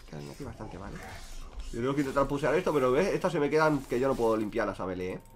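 Lively, fast-talking streamer guy. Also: medium pitch. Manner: crude, joking, talks to chat. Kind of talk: casual gameplay commentary.

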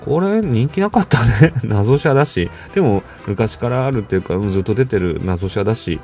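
A man talks casually as he opens toy cars, muttering and chuckling to himself. His voice is low and mellow with a gravelly edge. His pitch swings a lot as he goes, and faint music plays under his talk. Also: animated, normal speed. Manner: muttering to himself, chuckling, self-answering asides. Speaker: toy car collector vlogger. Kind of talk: casual unboxing chat.

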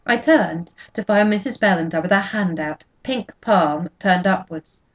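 A woman reading a novel aloud in first person, with measured, quietly expressive narration, in a dull lo-fi recording. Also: medium pitch. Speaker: audiobook reader.

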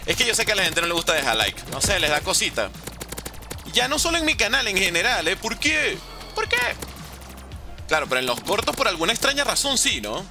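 A young man doing animated gameplay commentary, talking straight to his viewers. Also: sits high, fast talker. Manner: animated, excitable, talks to viewers. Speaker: gaming YouTuber. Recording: game music behind voice.

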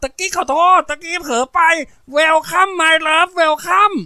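A man voicing an excitable, naive little boy who shouts and chatters eagerly. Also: brisk, no echo, studio quality, exaggerated voice. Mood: bewildered. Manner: shrill, shouting, breathless excitement.

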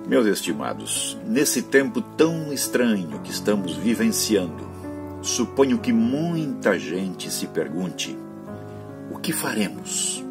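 A man's voice: on the low side, slow, music in the background. An older man, a pastor, telling a Bible story in a sermon to camera from his home study, gesturing as he talks. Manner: expressive storytelling with hand gestures.

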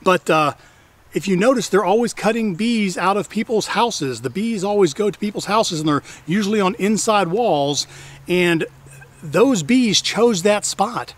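A man's voice: high voice, expressive, measured pace. A middle-aged man hosting a casual beekeeping vlog outdoors, talking in a chatty way with exclamations and repeated restarts. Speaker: hobbyist beekeeper and channel host. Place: outdoors in a wooded backyard apiary. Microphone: camera on a tripod at a distance. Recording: faint outdoor noise, bees and insects.

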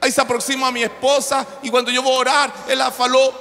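A male pastor with a Brazilian Portuguese accent, preaching in Spanish as a second language, with shouted declarations and joking storytelling. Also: very high voice, level tone, fast, a little hiss or hum. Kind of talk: charismatic preaching. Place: church hall. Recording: reverberant church hall with music.

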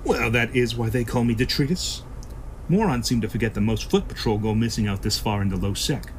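A man's voice: medium pitch, brisk, natural voice. Man playing sardonic black-market boss over noisy ambience. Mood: businesslike. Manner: sarcastic, swearing. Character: foul-mouthed, sly black-market shop boss, grimly pragmatic. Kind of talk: science-fiction audio drama acting.

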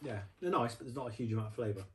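A man's voice: medium pitch, expressive, racing, fairly bright tone, slight background noise. A man chewing while he talks, giving laconic, understated verdicts in a casual home video chat. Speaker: husband tasting snacks.

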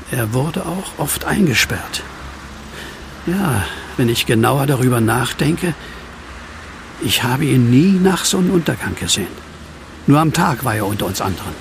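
An actor playing a brooding widower who tells his horror story in an earnest, measured, reflective way in an audio drama. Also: medium pitch, vocal fry, a little hiss or hum. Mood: hesitant, pondering. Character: brooding widowed man haunted by a werewolf. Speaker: narrator and lead character. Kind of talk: German audio drama acting, first-person narration. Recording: music under the voice.

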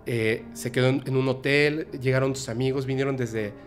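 A man, hosting a podcast, telling a personal story in a halting, emotional way with many restarts. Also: medium pitch, steady tone, faint music behind. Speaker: podcast host.

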